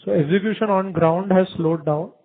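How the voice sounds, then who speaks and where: A man with an Indian accent answering as a company executive on an earnings call, in long, haltingly phrased explanations. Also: high-pitched. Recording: narrow tinny conference phone line.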